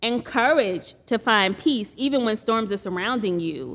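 A woman with an Atlanta accent, fairly high pitch, lively intonation and a fairly slow pace. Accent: Southern US (Atlanta). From US South, Atlanta/Decatur, Georgia. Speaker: podcast host, English professor. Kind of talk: solo podcast monologue. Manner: animated.

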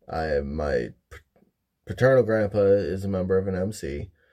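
Speaking at a fairly slow pace, a man with an American accent has a very deep, low pitch. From Michigan, US. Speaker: podcast host. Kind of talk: casual monologue. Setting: home recording in a closet with headphones.

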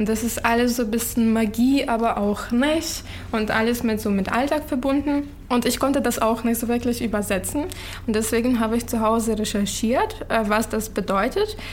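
A woman in a Ukrainian accent, fairly high in pitch, at a moderate pace, with fairly even intonation and very even loudness amid noticeable background noise. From Ukraine, small town. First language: Ukrainian (speaking German). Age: young. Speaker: podcast co-host. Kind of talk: casual chat.

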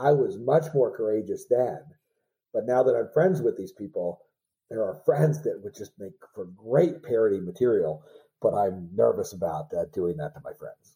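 A man with an American accent speaks at a moderate pace, his loudness swinging widely. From US Southwest, Navajo reservation. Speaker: law professor guest. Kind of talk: casual interview. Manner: conversational, self-deprecating.

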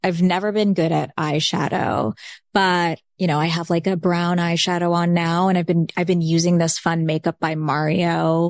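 A woman's fairly low voice at a moderate pace, very even in loudness, in a very clean recording with a silent background. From US, South Florida (Saint Lucie County). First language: Bengali. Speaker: political and business strategist. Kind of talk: casual interview chat. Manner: hesitant, many fillers and repeated words.

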